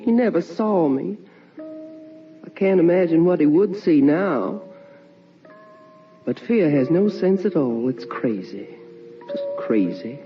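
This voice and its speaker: Slow, haunted ghost of a mother. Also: sits low. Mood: weary, wistful. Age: middle-aged. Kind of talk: radio drama monologue. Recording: dull, noisy old-time radio recording.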